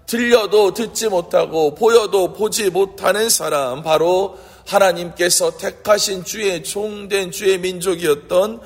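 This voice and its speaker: A man's voice: high-pitched, slightly rough. A man preaching a sermon as a pastor, earnest and fervent, asking rhetorical questions. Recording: long hall reverb.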